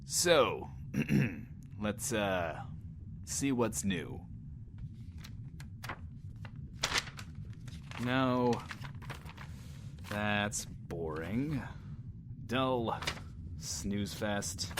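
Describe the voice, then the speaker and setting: A man's voice: fairly low pitch, animated, drawn-out words, pauses often, background noise, heavily acted. An actor playing a brash, self-loving radio DJ in a post-apocalyptic audio drama, with theatrical, wry showman patter. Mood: bored, muttering. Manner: smug, theatrical, wry, refers to himself by name. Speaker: radio host. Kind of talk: in-world radio show monologue, showman patter.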